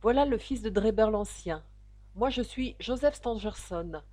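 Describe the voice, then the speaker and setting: A woman reading the part of a self-righteous young male Mormon elder, with a loud, emphatic delivery. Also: medium pitch, expressive, unhurried, voice pushed up. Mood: pompous.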